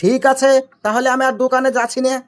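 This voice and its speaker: A woman's voice: sits high, steady tone, fast talker, close to an everyday voice. A woman voicing a maddeningly literal cartoon husband with a Rajshahi Bengali accent, innocently and persistently questioning. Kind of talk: comic cartoon dialogue.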